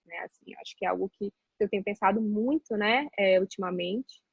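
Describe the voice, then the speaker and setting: The speaker has a Maranhão accent. The pace is moderate, with ordinary pitch variation. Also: woman. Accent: Maranhão accent, noticeable. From Brazil, São Luís, Maranhão. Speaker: psychoanalyst. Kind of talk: interview. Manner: hesitant, many fillers.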